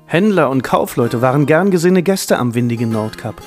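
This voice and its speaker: A man's voice: mid-range voice, animated, fairly quick, faint music behind. A man narrating scripted history in a documentary storytelling style.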